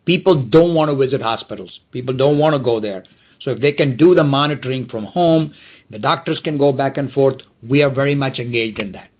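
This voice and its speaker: A man's voice: mid-range voice, a little fast. A man speaking as a company executive, giving unscripted answers on a dull, slightly noisy conference call. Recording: dull call audio with clicks, typing noise.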